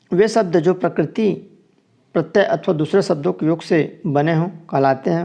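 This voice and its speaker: In a grammar exam class, a man with a deep, gravelly, dark voice that sits somewhat high walks through every multiple-choice question. He is from Chhattisgarh, India, and for each answer he explains the steps and then says it again, in an exam walkthrough format.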